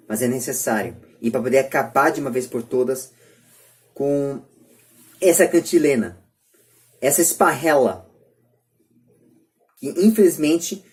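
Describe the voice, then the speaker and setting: A Brazilian man speaks as a podcast host in a serious debate. His pitch sits in an ordinary middle range. He is halting but emphatic, often repeating a phrase to drive it home. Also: darkish tone. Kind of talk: earnest podcast debate commentary.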